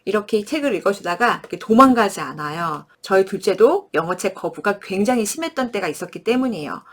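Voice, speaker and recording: Lively, animated Korean mother teaching parents. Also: medium pitch, fairly quick. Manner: animated, acts out words with lively gestures and sounds; often checks in with listeners by asking "right?". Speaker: early-childhood education presenter. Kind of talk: friendly parenting lesson.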